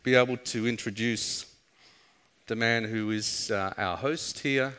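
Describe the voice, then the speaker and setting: A man's voice: mid-range voice, slow pace, bright, forceful tone, clear, resonant tone. A man with an Australian accent introducing a speaker on a conference stage, playful and joking. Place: conference hall.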